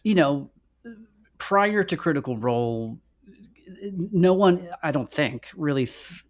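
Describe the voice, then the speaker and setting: A man's voice: on the high side, lively intonation, slow pace. A man co-hosting a podcast livestream in a casual, conversational way. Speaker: podcast co-host.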